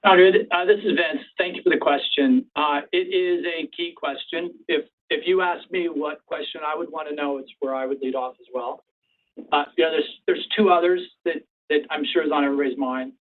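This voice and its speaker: Guy exec on earnings call, bit high voice, measured, phone sound, kinda far from mic. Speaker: company chief executive on an earnings call. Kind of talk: prepared remarks and candid answers to analysts. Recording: distant, tinny phone-line conference call.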